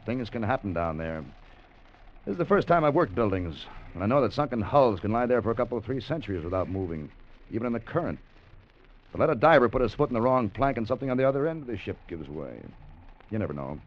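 An actor playing a calm, steady salvage diver in a 1950s radio drama, talking in a measured, cautious way. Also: male voice, on the low side, lo-fi sound. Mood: relaxed. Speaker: deep-sea diver.

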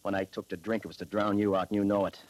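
An actor playing a drunken, menacing private detective in a 1940s radio drama, slurring and swinging between tenderness and threats. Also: male voice, fairly low pitch, flat delivery, very fast, darkish tone, close to an everyday voice. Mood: taunting. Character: drunken hard-boiled male private eye, menacing.

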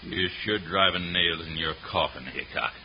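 An actor playing a hostile old-west cattleman with a threatening rough drawl, in 1940s radio acting. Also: low voice, normal speed, dull audio, close to an everyday voice. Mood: menacing. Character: hostile sneering cattleman villain, male. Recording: old radio recording with faint hiss.

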